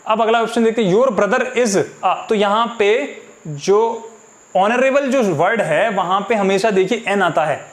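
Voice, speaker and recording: Slow, high-voiced man teaching English grammar. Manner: reads English sentences out very slowly, word by word. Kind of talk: exam-prep grammar lesson. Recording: echoey room.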